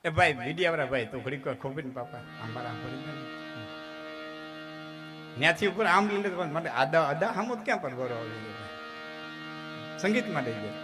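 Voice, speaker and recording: On stage before a live crowd, with music in the background and audience noise in the recording, a Kathiawadi Gujarati–accented folk storyteller tells funny folk tales. His medium-pitched voice has lively intonation at a normal speed, and he pauses often while chatting, joking, and checking in with listeners.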